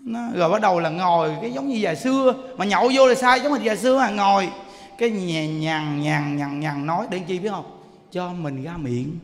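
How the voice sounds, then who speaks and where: A high-pitched man preaching a sermon in a folksy, animated storytelling manner. His voice rings out with a long reverb, as if he is speaking in a temple hall. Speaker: monk.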